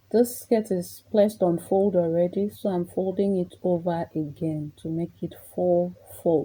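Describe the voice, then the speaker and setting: Speaking fairly slowly, a woman's voice carries a dark, mellow tone. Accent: non-native. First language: not English. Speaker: sewing tutorial creator. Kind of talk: tutorial.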